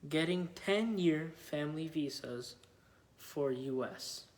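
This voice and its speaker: A man reading a written devotional account aloud in a measured, halting way. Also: on the high side. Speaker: reader of devotional testimonies.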